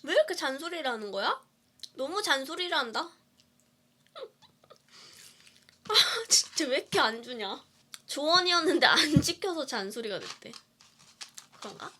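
High, lively, giggly woman streamer. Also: measured pace, long pauses. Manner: playful, giggly, answers viewer comments. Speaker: indie singer live-streaming. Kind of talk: casual livestream chat while eating.

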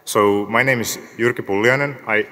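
A man speaks at a conference lectern, his fairly low voice bright and forward. He explains software in a relaxed way with the odd dry joke and quizzes the audience. The lectern microphone picks up the long reverb of a large hall. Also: moderate pace. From Finland. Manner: relaxed, lightly joking, asks the audience show-of-hands questions. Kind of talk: technical conference talk.

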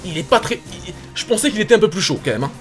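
Hyped gamer man, lively voice. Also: sits high, very fast, soft background music. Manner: hyped, swears casually, addresses viewers as "les gars". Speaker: gaming YouTuber. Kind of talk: excited gameplay commentary. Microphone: facecam setup.

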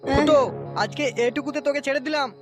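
A man voicing a high-pitched, hot-headed cartoon husband. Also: level tone, quick pace, over music. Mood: furious. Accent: West Bengal. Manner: foul-mouthed, threatening. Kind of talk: comedy cartoon voice acting.

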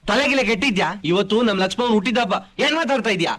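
A blustering village henchman who talks fast in a fairly high voice. He threatens and scolds in long rattling runs. This is a film comedy scene. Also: a bit bright.

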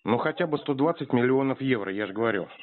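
A man with a mid-range voice talks fast and animatedly as a prank caller answering a telemarketer. The casual phone chat is rambling, slangy, and provocative, heard over a noisy, tinny line full of clicks.

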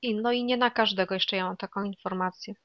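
A woman's voice: medium pitch, fairly even intonation, fast talker, no echo, dull audio. A woman co-hosting a talk show as a clairvoyant, answering viewers' questions in a hesitant, thinking-aloud way. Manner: thinking aloud with hesitations, addresses listeners as dear ones. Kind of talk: casual studio chat.

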